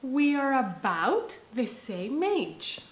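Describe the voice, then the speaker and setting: A woman with a fairly high voice speaks her example sentences very slowly and clearly. The room around her carries a noticeable echo. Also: big pitch swings. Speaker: co-teacher. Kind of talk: giving example sentences in a lesson.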